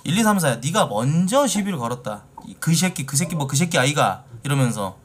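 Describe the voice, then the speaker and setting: A man in his thirties, a streamer in a heated voice chat, brash and taunting and swearing a lot, speaking from a home room into a studio mic on a boom arm. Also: very animated, brisk, slightly rough. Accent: mock Gyeongsang dialect.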